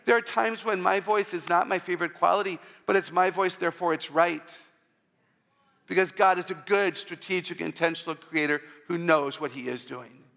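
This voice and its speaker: Woman, low voice, gravelly, inspirational church speaker, humorous storytelling, reverberant hall. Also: steady tone, normal speed, fairly bright tone. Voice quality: low voice, often mistaken for a man's. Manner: storytelling, humorous, with audience call-outs.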